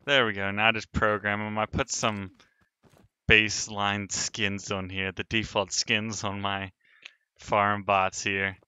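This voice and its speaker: A man's voice: lowish voice, little pitch movement, takes it slowly, sharp tone, clear, resonant tone, no room sound. A man streaming a sandbox building game, thinking aloud in casual commentary as he narrates each step of his work.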